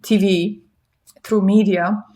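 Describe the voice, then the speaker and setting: A woman from Afghanistan, a podcast guest and actress, speaking in a reflective, casual interview manner, often pausing with fillers and soft laughs. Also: medium pitch, steady tone.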